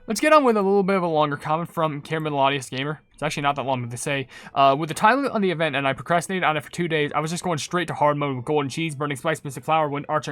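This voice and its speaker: A man's voice: fairly high pitch, a bit bright, no echo. A man hosting a gaming video with casual, rambling, stammering commentary and playful asides.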